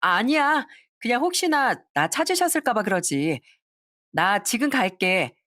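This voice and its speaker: A woman's voice: on the high side, very animated, measured pace, a bit bright, no echo, clean studio sound, pitched above the performer's own voice. A woman voicing a sly, defensive young wife with a sweet, evasive tone. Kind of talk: storytelling voice acting.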